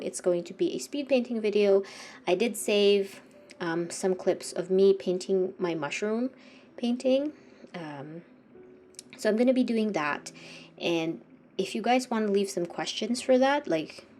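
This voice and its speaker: A woman's voice: on the low side, slight background noise. A young woman vlogging casually while she paints, congested and sniffly, rambling and often correcting herself. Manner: rambling, self-correcting, soft-spoken. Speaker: art vlogger. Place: home art studio.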